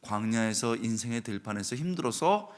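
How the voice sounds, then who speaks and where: A man's voice: expressive, normal speed. A man preaching at a dawn prayer service, telling personal stories and asking the congregation direct questions. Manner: acts out quoted voices with sudden high cries.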